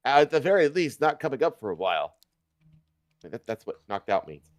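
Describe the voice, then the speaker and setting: A man's voice: medium pitch, fairly quick, dry recording, studio quality. A man streaming a live fan fiction reading, stumbling over lines and tossing in irreverent comments. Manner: irreverent, animated, stumbles and rereads. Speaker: streamer, host.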